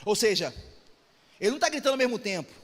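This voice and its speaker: Preaching with great passion, a Brazilian Portuguese-accented pastor fills an echoing church hall, regularly building to shouted exhortations. He speaks fast and is very animated, his voice sitting high.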